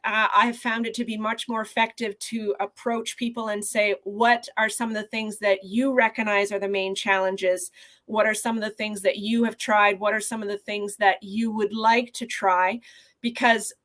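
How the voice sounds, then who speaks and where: A woman neonatologist from Canada answering interview questions over a video call in an earnest, measured way. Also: mid-range voice, flat delivery, a bit bright. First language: not Portuguese. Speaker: neonatologist guest.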